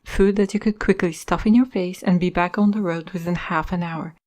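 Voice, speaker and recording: A woman's voice: on the low side, fairly even intonation, brisk, a little mellow. A woman hosting and narrating a podcast, reading in a scripted style. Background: music.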